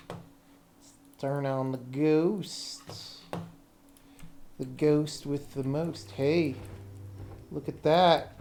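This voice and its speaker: A man with a mellow, dark-toned voice talks slowly as he thinks aloud at his computer. He speaks in short, muttered fragments, casually and with some swearing. Keyboard typing and faint noise sit behind him. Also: fairly high pitch, creaky. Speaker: livestreaming game programmer. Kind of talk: casual thinking aloud while coding on stream.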